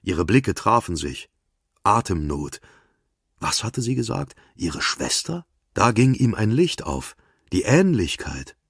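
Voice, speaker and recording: A man's voice: on the low side, very animated, takes it slowly, gravelly, breathy edge, dry recording, clean studio sound. A man narrating a thriller audiobook in terse, tense scripted prose.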